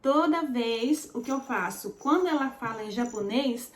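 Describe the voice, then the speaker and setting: Brazilian woman in her 40s vlogging, kinda high voice, chatty, lots of fillers, echoey room. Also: animated, moderate pace. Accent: Brazilian Portuguese. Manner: chatty, addresses viewers as "gente", many fillers. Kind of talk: casual storytelling to camera.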